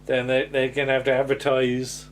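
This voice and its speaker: A man's voice: medium pitch, monotone, moderate pace, a little hiss or hum. A man with a slight lisp, casually recapping a sitcom episode and hesitating with many ums and restarts. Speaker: podcast co-host.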